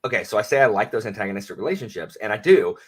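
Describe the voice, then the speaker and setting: A man's voice: on the low side, animated, rapid-fire, breathy edge. A man chatting casually as a guest on a live stream, rambling and self-deprecating with lots of restarts.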